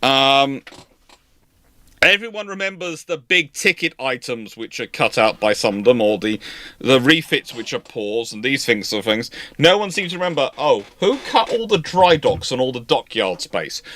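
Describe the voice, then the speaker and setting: Male host, rambling and sardonic, dry close sound, average pitch. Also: sing-song, normal speed, a bit bright, dry recording. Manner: rambling, with frequent restarts and sarcastic asides. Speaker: host of a naval history live stream. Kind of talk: casual live Q&A talk.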